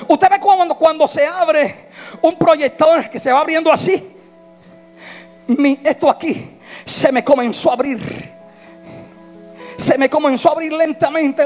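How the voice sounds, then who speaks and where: Very high-voiced impassioned male pastor. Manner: impassioned preaching that swings from shouts to hushed tones. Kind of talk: sermon.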